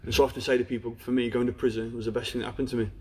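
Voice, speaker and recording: With a breathy edge and little pitch movement, a young man with a Black Country accent speaks fast at a middle male pitch. As an interview guest on a podcast, he tells his own story frankly and plainly, saying "you know" frequently.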